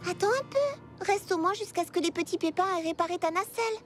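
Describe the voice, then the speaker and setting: A woman voicing a sweet, caring young girl in an earnest, expressive way for a French cartoon dub. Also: very high voice, quick pace, faint music behind. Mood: gentle, pleading. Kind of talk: French animated series dub.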